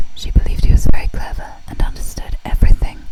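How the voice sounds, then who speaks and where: Someone is whispering at a fairly quick pace. Noticeable background noise is present. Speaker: ASMR audiobook reader. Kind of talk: audiobook reading. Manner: whispered.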